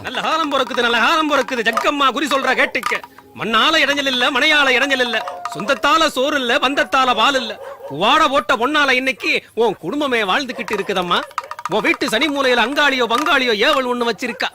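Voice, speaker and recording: An actor playing a superstitious wandering fortune-teller, chanting in sing-song film style. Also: male voice, very high-pitched, brisk, background noise. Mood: solemn chanting. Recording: film soundtrack with music under voice.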